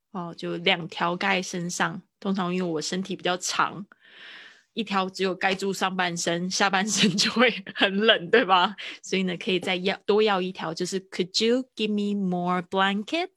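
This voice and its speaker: A young adult woman teaching English travel phrases in a livestream lesson. She explains patiently and repeats each phrase slowly and clearly, with casual asides. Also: mid-range voice, a bit bright, no room sound, studio quality. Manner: casual asides with fillers and small laughs.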